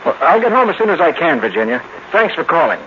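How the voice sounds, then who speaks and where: An actor playing a worried, exasperated husband, urgent and questioning, in a 1950s radio drama. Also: male voice, on the high side, very animated, fast. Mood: concerned. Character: anxious, exasperated husband of a troubled wife. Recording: dull noisy old radio recording.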